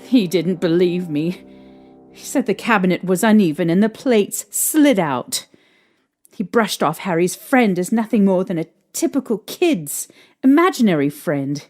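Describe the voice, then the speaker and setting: A woman playing a young mother shaken by strange happenings, recalling them in a halting, hesitant way. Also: lowish voice, animated, darkish tone. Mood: uneasy. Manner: hesitant, halting recollection with restarts. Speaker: interviewee recounting events. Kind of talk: fan audio drama acting. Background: faint music.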